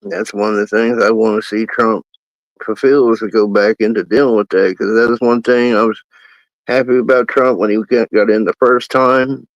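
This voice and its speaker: A man's voice: on the low side, fairly even intonation, normal speed, no room sound. A man co-hosting a casual chat, speaking bluntly and plainly with firm opinions. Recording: dull lo-fi dry sound.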